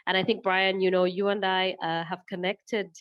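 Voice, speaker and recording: A woman's voice: mid-range voice, little pitch movement, moderate pace, clean tone, no room sound, muffled recording. A woman giving spontaneous remarks in an online discussion, tentative and rambling, often correcting herself. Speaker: invited discussion participant. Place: online video call.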